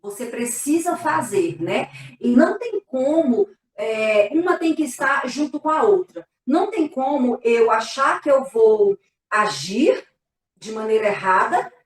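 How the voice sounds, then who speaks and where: A female pastor explains in an earnest way, often ending phrases with a quick tag question. Her voice sits somewhat high. She sounds set back from the mic in a room with a clear echo. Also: very animated, far from the mic. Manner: earnest, explanatory, frequent "né?" tags. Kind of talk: casual church live talk. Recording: echoey room, voice from afar.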